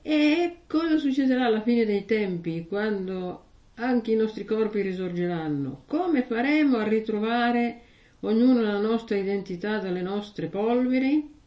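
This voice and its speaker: A woman reading a gospel passage slowly and then preaching on it in a conversational way, asking her listeners questions. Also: on the high side. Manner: slow, measured reading with heavy pauses. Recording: echoey, distant, dull lo-fi sound.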